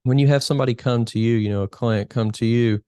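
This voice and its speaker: A man's voice: mid-range voice, steady tone, fast, mellow, smooth, no echo, clean studio sound. A man hosting a casual interview podcast, rambling a little as he rephrases his questions.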